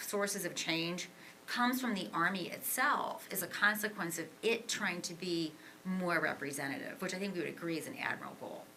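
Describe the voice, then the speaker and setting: A woman with an American accent at medium pitch and lively intonation, with noticeable background noise and audible room echo. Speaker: political scientist and author. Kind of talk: Q&A at a panel event. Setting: auditorium with audience.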